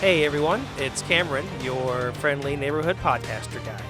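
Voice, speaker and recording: A man's voice: fairly high pitch, moderate pace. A man hosting a podcast, chatty and apologetic in a casual intro. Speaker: podcast host. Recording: guitar music behind.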